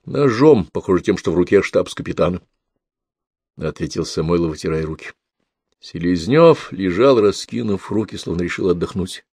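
A man narrating an audiobook dramatically, raising his voice for the characters' dialogue and slowing down on key lines. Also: low voice, animated, darkish tone, breathy edge, dry recording, clean studio sound.

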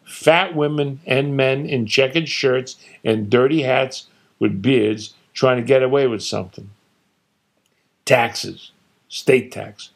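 Guy putting on a loud know-it-all dad, higher than his own gravelly voice, scoffing and ranting. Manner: blustering, dismissive, rattling off rapid-fire insults. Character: opinionated older father boasting about his home state. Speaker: narrator voicing his father.

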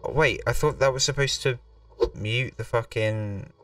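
A man's voice: medium pitch, normal speed, a bit bright, distant mic, soft background music. A man giving casual, informal live commentary as he streams a video game, swearing now and then.

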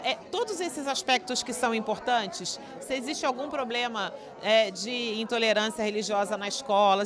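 A woman explaining school policy in an interview with a handheld mic, pausing on fillers at times. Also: on the high side. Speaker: education official. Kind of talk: interview answer. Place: indoor event venue.

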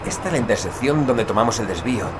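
A man's voice: mid-range voice, expressive, fast, noisy background, natural voice. An actor playing an anxious, impatient stranded husband and father in an audio drama, agitated, demanding and prone to stammer. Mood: alarmed, unsure.

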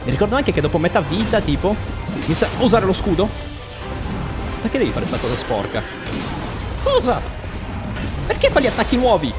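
Man, gaming streamer, fairly high voice, excitable, boastful, loud game music behind. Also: fairly quick, pauses often. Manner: excitable, shouting at the boss, boastful joking. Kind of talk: live gameplay commentary.

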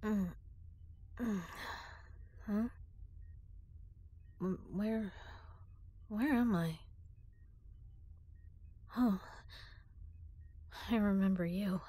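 A young woman performing an intimate audio drama as a frightened prisoner, speaking softly and often in a whisper. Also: medium pitch, very slow, long pauses, no echo. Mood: tender. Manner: soft, breathy, often whispered.

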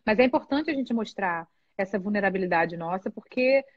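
A woman's voice: medium pitch, lively intonation, fairly quick, no echo, highs cut off. A Brazilian woman, a guest on a live video chat, talking candidly and expressively with frequent laughs. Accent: Brazilian Portuguese.

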